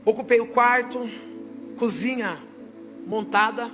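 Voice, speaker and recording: A woman's voice: on the high side, slow pace, over music. Fervent woman pastor preaching testimony. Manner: fervent, swelling into loud proclaiming.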